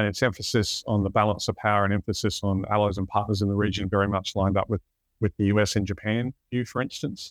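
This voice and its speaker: A man's fairly low voice with an Australian accent at a very fast pace, dry and close with no echo, on a very clean recording with a silent background. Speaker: defence policy professor. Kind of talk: roundtable discussion.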